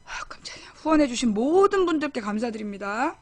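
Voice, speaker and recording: A woman's voice: a little high, sing-song, fairly quick, a little mellow. A middle-aged woman hosting her own political talk stream, speaking casually and emphatically and repeating phrases for effect. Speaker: political talk show host. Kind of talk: casual live-stream monologue.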